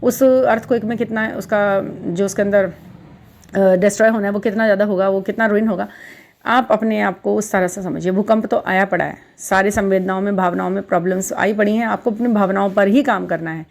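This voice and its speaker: A woman's voice: mid-range voice, fairly even intonation, fairly quick, vocal fry. A middle-aged woman hosting a spiritual guidance channel, talking casually and reassuringly to her viewers, repeating words for emphasis and mixing English terms into her Hindi.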